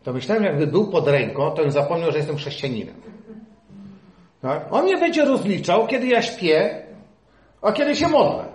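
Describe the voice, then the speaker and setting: Middle-aged male pastor, lively fairly high voice, emphatic preaching in a reverberant hall. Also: normal speed, pauses often. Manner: animated preaching, rising to emphatic peaks, dropping to quiet asides. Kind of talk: sermon.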